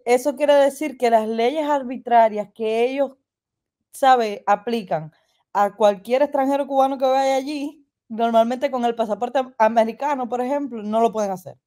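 A woman joining a live stream who talks through her view calmly. Her voice sits a little high, with a mellow tone. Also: normal speed.

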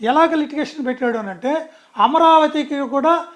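A man's voice: extremely high pitch, moderate pace, fairly bright tone. A man speaking as a guest in a political interview, talking emphatically and often restarting and correcting himself mid-sentence.

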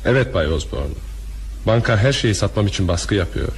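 A bitter proud hotel boss in a radio play, lowish voice, faint noise behind. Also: male voice, expressive, moderate pace. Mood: resigned. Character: bitter, vengeful, proud male hotel owner. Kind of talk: crime radio drama acting. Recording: faintly noisy radio drama recording.

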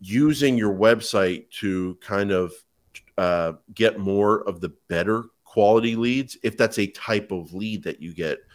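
A man in his thirties with a low voice talks as a podcast co-host. He explains his points conversationally, as if on a call from home. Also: unhurried. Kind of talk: conversational explanation of online advertising. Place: home kitchen, indoors.

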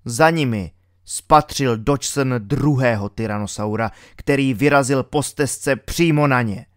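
Male audiobook narrator, dramatic, steady, dry close sound, mid pitch. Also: dry recording. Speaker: audiobook reader.

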